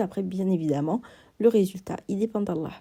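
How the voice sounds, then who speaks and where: Soft-spoken, a woman with a dark, mellow tone talks at a medium pitch with ordinary pitch variation, captured on a very clean recording with a silent background. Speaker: podcast host and bookshop founder. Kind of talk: casual monologue, charity appeal.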